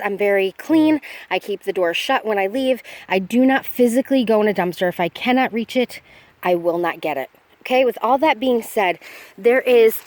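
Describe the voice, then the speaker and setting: A middle-aged woman vlogging casually, talking fast and chatty, a little out of breath, often breaking off mid-sentence. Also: medium pitch. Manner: fast, chatty, self-interrupting. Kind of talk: casual haul vlog.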